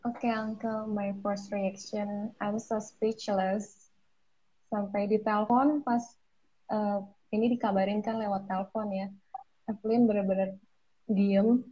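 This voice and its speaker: A woman's voice: medium pitch, flat delivery, slow, mellow, slightly rough, lo-fi sound. A young woman, a pageant finalist, animatedly retelling her reaction over a video call. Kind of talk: casual interview storytelling.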